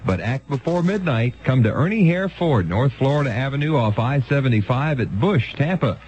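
A man reading a 1970s local radio commercial as an urgent sales pitch. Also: animated, moderate pace, a little mellow. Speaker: commercial announcer. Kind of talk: 1970s radio car-dealer ad read. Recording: dull vintage radio broadcast, faint music.

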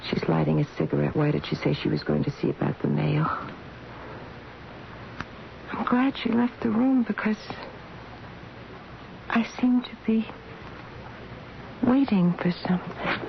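Slow dreamy sick lady talking to herself, wondering, hushed, muffled noisy old radio play. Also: fairly low pitch, fairly even intonation, creaky. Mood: musing, puzzled. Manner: hushed, halting, musing to herself. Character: bedridden woman in a dreamy, wondering trance. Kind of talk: radio drama interior monologue. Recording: dull, noisy vintage radio broadcast.

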